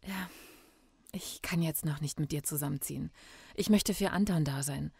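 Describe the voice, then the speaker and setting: An actress playing a caring female colleague in a radio crime drama, gentle and composed. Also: sits low, moderate pace, vocal fry, husky, no echo, heavily acted. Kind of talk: radio play acting.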